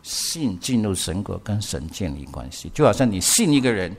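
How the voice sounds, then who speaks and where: A man's voice: fairly low pitch, very animated, moderate pace, in a large hall. An older man preaching a sermon, often asking the congregation questions and repeating words for emphasis. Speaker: pastor.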